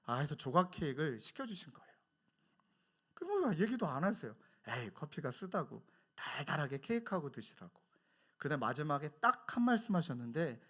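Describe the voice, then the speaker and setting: A male pastor preaching a sermon, telling a story with animated delivery and acted-out quotes. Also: medium pitch. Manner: animated storytelling, acts out friends' quotes with laughter.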